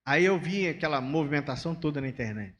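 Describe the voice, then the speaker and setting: A man's voice: on the high side, lively intonation, fast, long reverb tail. A man with a Brazilian Portuguese accent, a pastor preaching a sermon in a conversational way and acting out everyday dialogues. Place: church sanctuary.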